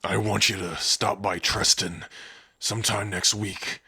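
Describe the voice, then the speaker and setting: A man voicing an honorable young male orc warrior in a fantasy audio roleplay, earnest and measured. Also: lowish voice, steady tone, sharp tone, husky, heavily acted. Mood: warm.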